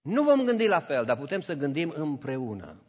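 Animated male preacher in a reverberant hall. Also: fairly high pitch, slightly rough. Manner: animated storytelling, acts out voices in anecdotes; mixes English phrases into his preaching. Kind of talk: sermon. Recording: dull audio with long church reverb.

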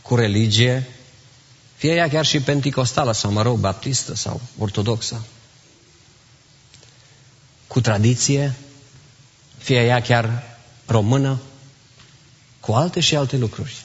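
A man preaching a sermon in a church, impassioned, swinging between hushed and loud emphatic lines and repeating phrases for emphasis. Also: mid-range voice, pauses often, slightly rough, muffled recording. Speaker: pastor.

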